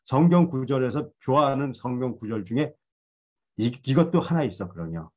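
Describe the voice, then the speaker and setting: A man's voice: medium pitch, lively intonation, a little fast, highs cut off. A man giving a Bible lecture in a conversational, storytelling way, admitting his own past mistakes. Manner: conversational, self-deprecating storytelling.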